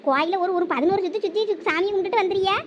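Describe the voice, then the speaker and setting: A woman plays a superstitious cartoon village mother who keeps coaxing and pleading, with a Thoothukudi Tamil accent. The voice is very high and quick. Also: muffled recording, slight background noise.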